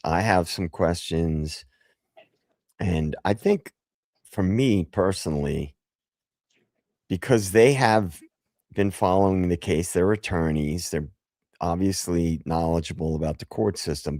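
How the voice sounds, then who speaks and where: A hoarse man with a very low voice hosts a late-night livestream. He talks slowly and loosely, joking and swearing. The sound is close and dry. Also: darkish tone, no echo. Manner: loose and profane, jokey. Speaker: livestream host. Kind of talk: casual livestream chat.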